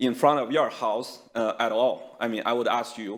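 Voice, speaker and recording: Against a silent background in a very clean recording, a man with a non-native accent speaks at a medium pitch in a flat monotone. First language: not English. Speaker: resident giving public comment. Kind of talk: public comment at council meeting. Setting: city council meeting. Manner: halting, many fillers.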